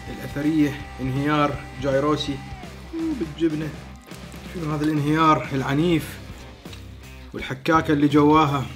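A man in his thirties with an Iraqi Arabic accent, hosting a food challenge and chatting between mouthfuls. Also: medium pitch. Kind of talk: casual eating vlog. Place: small indoor home studio.

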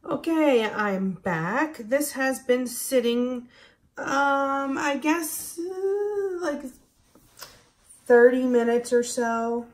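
A woman with a Baltimore accent casually narrates a craft demonstration, thinking aloud in a hesitant, self-deprecating way. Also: on the high side. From Baltimore, United States. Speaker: host demonstrating acrylic pouring.

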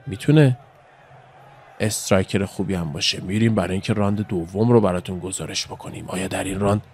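A man with a low, gravelly voice calls a recorded fight blow by blow. He talks casually as the host of his own channel, explaining techniques and stopping for friendly side remarks. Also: a little mellow, slight background noise. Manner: chatty, explains moves and digresses with asides. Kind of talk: casual Persian play-by-play commentary over fight footage.

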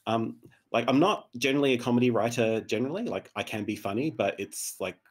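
A man's voice: medium pitch, fast talker, husky. A man speaking casually as a panelist on a video call. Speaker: panelist, podcast writer. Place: indoor room, remote video call.

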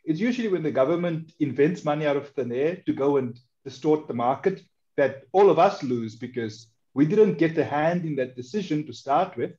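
A man talks through his views in a relaxed group call, pausing on fillers as he thinks. His voice is dark and mellow, and the call audio sounds dull and lo-fi. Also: a little high. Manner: measured, thinks aloud with many fillers. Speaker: meetup participant. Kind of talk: casual group discussion.

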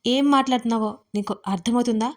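A woman voicing a harsh, commanding young husband who scolds with sharp questions in an audio storybook. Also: a little high, steady tone, fast, close to an everyday voice. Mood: angry, demanding.

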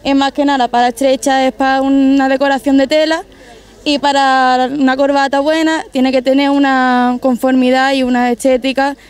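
A woman's voice: high voice, little pitch movement, moderate pace. A woman representing a stall explains her product confidently and informatively at an outdoor market. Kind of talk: sales explanation.

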